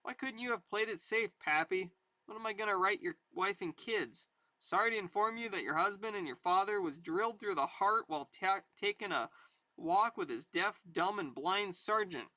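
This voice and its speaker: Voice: mid-range voice, normal speed, pushed and bright, dry recording, close to an everyday voice. A person reading aloud a tough, weary army sergeant from a war comic in dramatic style. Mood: grieving, bitter. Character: tough weary army sergeant, gruff battle-hardened narrator.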